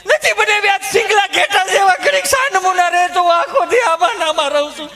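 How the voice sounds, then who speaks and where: Kathiyawadi housewife, high-pitched, nagging, whiny, man doing the voice, loud. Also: fairly quick, heavily acted. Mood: exasperated. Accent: Kathiyawadi Gujarati. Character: harried complaining housewife, mother of two.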